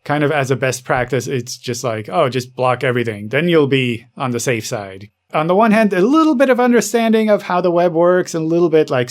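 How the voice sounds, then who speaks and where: A man hosting a podcast, chatting casually in a conversational, musing way. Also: medium pitch. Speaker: podcast host.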